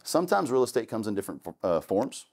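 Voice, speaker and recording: A man's voice: on the low side, big pitch swings, fast talker, a little mellow. Candid man giving a casual talk. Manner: candid and conversational, with many restarts and "long story short". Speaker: real estate investor giving a talk. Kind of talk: casual talk to a student audience with slides.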